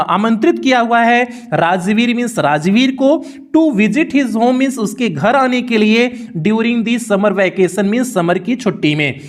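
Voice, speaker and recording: Man, very high voice, North Indian accent, classroom explanation, repeats each phrase and its meaning. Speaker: teacher. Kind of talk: bilingual line-by-line textbook explanation.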